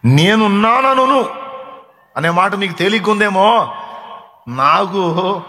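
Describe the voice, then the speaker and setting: A man's voice: on the high side, normal speed, fairly bright tone. Fervent preacher man in echoing hall. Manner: emphatic, repeats phrases, acts out comforting words. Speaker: pastor. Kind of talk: sermon. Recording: reverberant hall sound.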